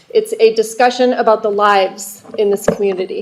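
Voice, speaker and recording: A fairly high-pitched woman's voice in a flat monotone, over noticeable background noise. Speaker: public commenter, local resident. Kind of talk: public comment at county hearing. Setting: public hearing room.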